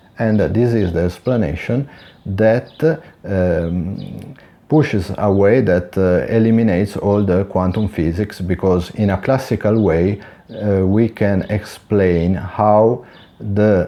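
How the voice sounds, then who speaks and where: A man speaks at a very slow pace and very even loudness, his fairly low pitch showing ordinary variation. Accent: non-native. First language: not English. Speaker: flat-earth video maker. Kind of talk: casual lecture. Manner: halting, many fillers.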